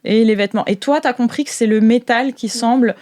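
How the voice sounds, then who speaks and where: A woman hosting an improvised tabletop game, narrating in an informal, halting, giggly way. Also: a little high, a little mellow, no echo, clean studio sound. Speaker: game master, show host.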